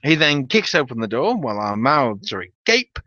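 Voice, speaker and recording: Male narrator, theatrical and wry, lively pitch, forceful bright tone, scripted comic storytelling. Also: moderate pace, no echo, highs cut off. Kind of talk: dramatic reading of a comic tabletop-game story.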